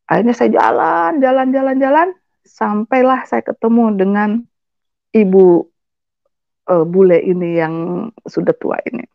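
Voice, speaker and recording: A woman's voice: medium pitch, a little slow, gravelly, long pauses, no echo. A woman giving an emotional personal testimony, speaking straight to her audience and slipping in English words. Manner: addresses the audience directly, sprinkles in English words. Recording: dull, dry lo-fi recording.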